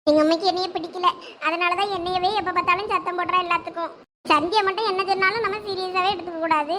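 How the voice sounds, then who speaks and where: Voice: very high voice, fairly even intonation, fast, pushed and bright, slight background noise. A performer voicing a sulky young girl who feels unloved, complaining tearfully and pitying herself in a comedy skit. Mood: sulking.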